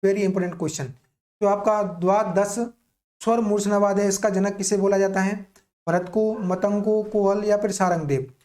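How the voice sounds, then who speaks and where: Mellow high-voiced Indian male teacher. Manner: didactic, repeats key points as questions and answers. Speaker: music teacher. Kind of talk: exam-prep lesson, explaining quiz questions.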